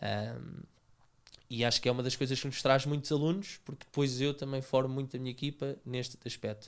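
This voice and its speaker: This man speaks in a plain, everyday voice at medium pitch. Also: fairly quick pace. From Portugal, Lisbon. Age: 20s. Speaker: surf school owner. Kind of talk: interview conversation.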